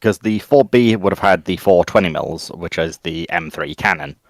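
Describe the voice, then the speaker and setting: A man's voice: deep voice, normal speed, dry recording, studio quality. A man taking part as a panelist in a casual, unscripted discussion.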